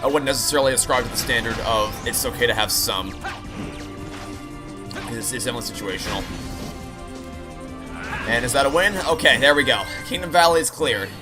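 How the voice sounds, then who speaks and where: During a live playthrough, a man chats with his viewers and breaks down his opinions analytically. His mid-range voice moves a little fast, and he pauses often. Video game music and sounds fill the background.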